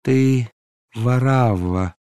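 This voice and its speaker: A man's voice: medium pitch, dark tone, clear, resonant tone, no echo, studio quality. A man reading aloud and voicing a dying young woman who rises into frenzied, wailing curses. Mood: faint, weary. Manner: wailing, cursing, drawn-out.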